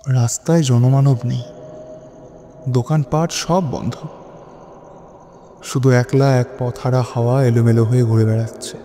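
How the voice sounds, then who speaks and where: A man playing a lonely, brooding widower, narrating his haunted memories in an introspective, theatrical audio drama style with rhetorical pauses. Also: medium pitch, fairly even intonation, dark tone, natural voice. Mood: gloomy. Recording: long reverb, music bed underneath.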